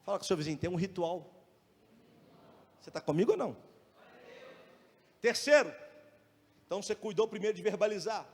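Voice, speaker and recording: High-voiced Brazilian preacher in a reverberant hall. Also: male voice, brisk, long pauses. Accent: Brazilian Portuguese. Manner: preaching with shifting loudness and pace, rhetorical questions. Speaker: pastor. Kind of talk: sermon.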